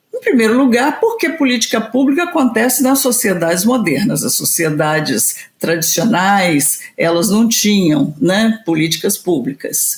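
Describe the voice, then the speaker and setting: A woman speaks at a fairly slow pace with fairly high pitch and very wide pitch swings. Her loudness stays very even, and she hardly pauses. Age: 70s. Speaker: university professor. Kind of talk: lecture. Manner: hesitant with filler sounds.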